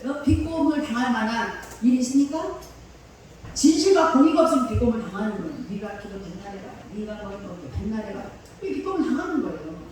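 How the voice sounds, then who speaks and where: A woman pastor giving a chatty sermon, with laughing asides and slow scripture reading. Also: sits high, slight background noise. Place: church sanctuary. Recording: echoey hall from far off.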